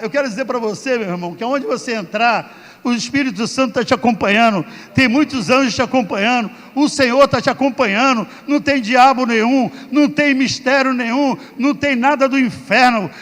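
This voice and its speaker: A man's voice: extremely high pitch, fairly bright tone. A man, a guest pastor preaching and telling a personal story, acting out the dialogue. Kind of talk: sermon with personal testimony. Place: church sanctuary. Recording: reverberant church hall.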